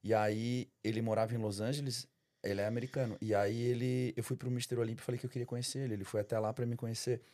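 A Brazilian man, a bodybuilder guest, telling a long story in a casual podcast chat, peppering it with "cara". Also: mid-range voice. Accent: Brazilian Portuguese. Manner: fast, animated storytelling full of "cara".

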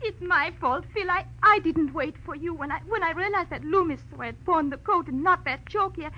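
A woman's voice: very high-pitched, brisk, muffled recording. An actress playing a desperate, defiant young woman in a 1940s radio drama, stammering with emotion. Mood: distraught. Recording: noisy old radio recording.

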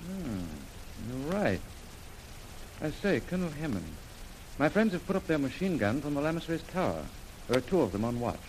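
An actor playing an eager young tank lieutenant who is polite and deferential in a 1930s radio drama. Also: male voice, on the high side, very animated, moderate pace, long pauses, a little mellow. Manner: polite, eager, keeps saying sir. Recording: noisy old radio recording.

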